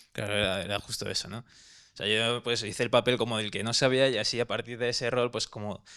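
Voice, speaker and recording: Over a silent background in a very clean recording, a man speaks at a medium pitch. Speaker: university student. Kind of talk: panel talk at a public event. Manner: fast, poorly enunciated.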